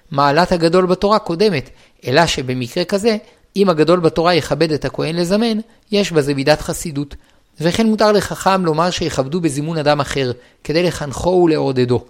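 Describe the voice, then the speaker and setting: A man with a fairly high voice reads a religious law text aloud in an even, measured recitation. He moves through each ruling steadily, pausing briefly to restart a stumbled word before carrying on. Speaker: reader of a Jewish law text. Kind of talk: formal read-aloud of a religious law book.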